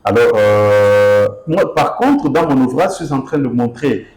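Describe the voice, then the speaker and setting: A man from Kinshasa, DR Congo, answers interview questions as an author, speaking emphatically and expressively, repeating himself with many fillers and restarts. His mid-range voice moves at a measured pace. The audio is poor, recorded in an echoey room.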